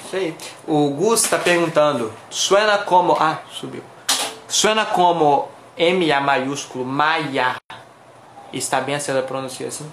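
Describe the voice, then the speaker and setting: A man from Brazil co-hosting a live lesson, relaxed as he reads out viewer questions and chimes in briefly. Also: on the high side, moderate pace, echoey room, slight background noise. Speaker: co-host reading viewer questions. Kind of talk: casual chat in a live lesson.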